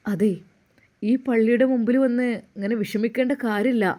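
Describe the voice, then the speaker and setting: A woman voicing a young, gentle male Muslim cleric who asks soft, concerned questions. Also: a little high, fairly even intonation, moderate pace, natural voice.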